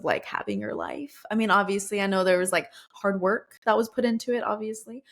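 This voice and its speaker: A woman's voice: medium pitch, a bit bright. A woman hosting a podcast in a bubbly, chatty way, laughing often and using many likes and ums. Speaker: podcast host. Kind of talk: casual interview chat.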